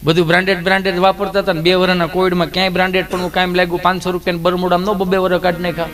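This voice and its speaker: A man's voice: high voice, very fast. Man telling comic stories. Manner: lively, rambling joke-telling. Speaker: stand-up comedian. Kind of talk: folk comedy storytelling.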